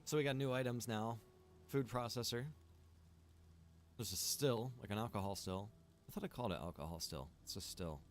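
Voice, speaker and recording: Casting: young adult male streamer, low-ish voice, loose rambling chat with viewers. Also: normal speed, long pauses, a little hiss or hum. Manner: rambling, relaxed, chatty with viewers. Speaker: streamer and server owner. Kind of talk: casual gaming stream chat.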